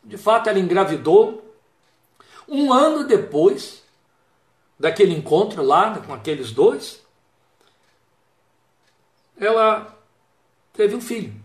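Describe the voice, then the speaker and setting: A man's voice: sits high, sing-song, slow, pauses often, reverberant. A man preaching a sermon, retelling a Bible story with quoted dialogue and reflective asides.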